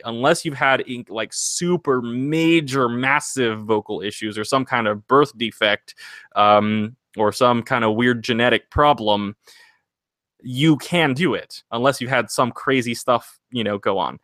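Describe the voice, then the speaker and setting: A man's voice: mid-range voice, unhurried, a bit bright, no room sound. A man hosting a singing podcast, talking casually and earnestly, rambling into motivational encouragement. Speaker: singing podcast host and vocal coach.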